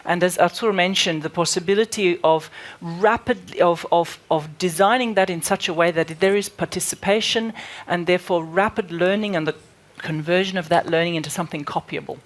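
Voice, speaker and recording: A woman's voice: on the low side, a little fast, few pauses. A woman and mother of two speaking reflectively on a panel, building long, searching lists of ideas. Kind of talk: panel discussion.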